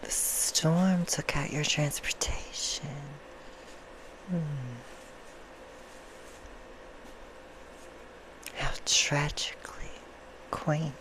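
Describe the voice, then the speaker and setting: Woman playing a hushed, low-voiced seductive vampire hostess. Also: steady tone, rough recording. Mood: intrigued, sly. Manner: slow, hushed, half-whispered, drawn-out theatrical phrasing. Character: seductive, courtly female vampire hostess, soothing and sinister. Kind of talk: ASMR roleplay, bedtime storytelling. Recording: clear background noise.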